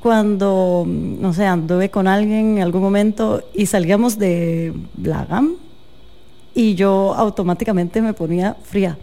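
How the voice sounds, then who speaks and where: A young woman with a Guatemalan Spanish accent talks as an interview guest, her tone mellow and warm. She tells her stories in an unhurried, thoughtful way, pausing and hedging now and then as she works out what to say. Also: medium pitch. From Guatemala City. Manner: thoughtful, storytelling with hesitations. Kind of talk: casual conversational interview.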